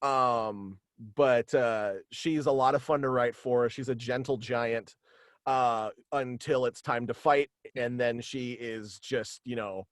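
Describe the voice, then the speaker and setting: A man who wrote a superhero radio play is interviewed on a home video call, speaking casually in a medium-pitched voice. The recording is dry with clean studio sound, and he comes across as hesitant but enthusiastic, chuckling often.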